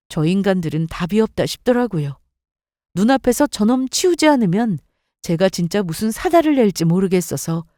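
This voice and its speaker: A woman's voice: medium pitch, mellow, no echo, studio quality. A woman narrating a first-person story with bitter, resentful telling, in scripted radio style.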